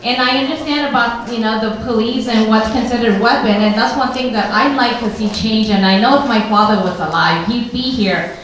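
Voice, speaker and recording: A woman giving an earnest, measured public speech to a community gathering, often pausing on fillers. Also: on the high side, a bit bright. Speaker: community speaker at a press event. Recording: very echoey room, faint noise.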